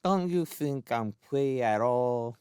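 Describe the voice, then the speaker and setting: A man's voice: mid-range voice, animated, takes it slowly, darkish tone, smooth, dry recording, studio quality, voice pushed up. A man voicing a coy, wheedling little boy with a sweet lisp in an audiobook. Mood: earnest. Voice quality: lisping. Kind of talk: audiobook character voice.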